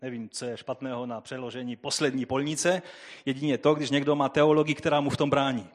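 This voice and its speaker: A man preaching a sermon and reading scripture aloud, swinging between loud, drawn-out proclamation and quiet, low asides. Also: steady tone.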